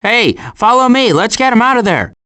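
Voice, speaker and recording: A man voicing a wry, wisecracking woodland animal in an animated video game. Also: extremely high pitch, moderate pace, heavily acted. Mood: urgent, excited.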